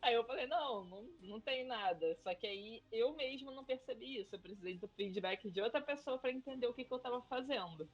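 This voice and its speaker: A Brazilian teacher with a Brazilian Portuguese accent talks animatedly as a panelist in a casual podcast discussion. Her husky voice is fairly high with lively intonation, moving fairly quickly with few pauses, on dull lo-fi audio.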